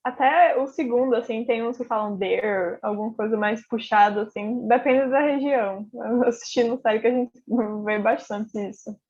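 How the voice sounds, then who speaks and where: A young woman teaching an English class, speaking in a relaxed, encouraging way with lots of fillers. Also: a little high, normal speed, few pauses. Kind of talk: casual online class explanation. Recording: dull lo-fi audio.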